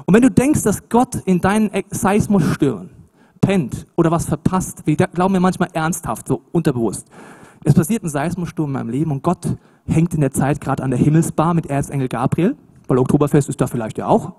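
A man preaching a sermon in an animated, emphatic, colloquial way, with swings between loud emphasis and hushed asides. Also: on the high side, a little fast, husky.

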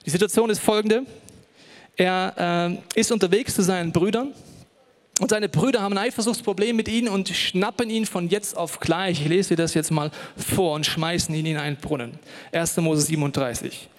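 A man's voice: sits high, normal speed, in a large hall. A male pastor giving a sermon in a church, speaking personally and directly to the listener and telling a story dramatically. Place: church hall.

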